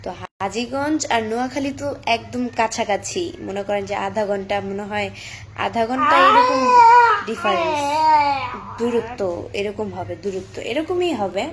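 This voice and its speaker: A woman's voice: mid-range voice, normal speed, hardly any pauses, background noise. A teenage girl with a Chandpur Bengali accent chatting on a live stream, reading viewer comments aloud and answering them on her phone. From Bangladesh. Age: teens.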